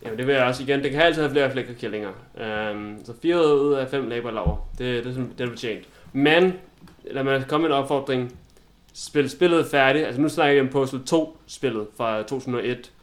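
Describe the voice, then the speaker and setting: A man co-hosting a casual film-review podcast, easygoing and often answering with short agreements. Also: medium pitch. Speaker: podcast co-host. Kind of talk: casual chat.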